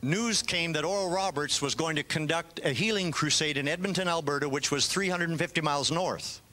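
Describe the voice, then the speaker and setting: An older male preacher from Canada delivers his sermon in short, measured phrases. He leaves gaps for an interpreter. His voice is bright and sits a little high. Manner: storytelling, pauses in short phrases for translation.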